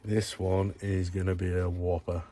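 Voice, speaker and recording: A man's voice: deep voice, little pitch movement, moderate pace, warm tone, slight background noise. A man with a Black Country accent giving a casual, rambling video tour as a hobbyist vlogger, chatty and matey. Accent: Black Country English. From Black Country, England. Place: warm grow tent in a shed.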